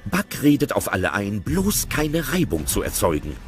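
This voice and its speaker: Lively deep-voiced male narrator. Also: moderate pace. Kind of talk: audio drama narration. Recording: clear music bed.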